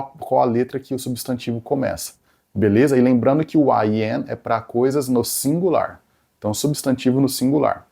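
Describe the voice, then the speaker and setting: A man with a Brazilian Portuguese accent teaching English grammar in Portuguese, slowing down for the English example sentences and checking in with the viewer after each point. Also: medium pitch, vocal fry, dark tone. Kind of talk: grammar lesson explained in Portuguese.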